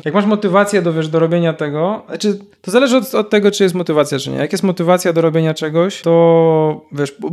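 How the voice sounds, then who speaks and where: A stand-up comedian in casual conversation, talking in a reflective, chatty way with many fillers. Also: male voice, a little high, a little mellow.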